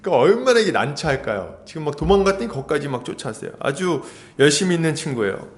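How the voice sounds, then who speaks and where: Male pastor, slightly higher voice, lively storyteller acting out scenes in a sermon. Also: quick pace.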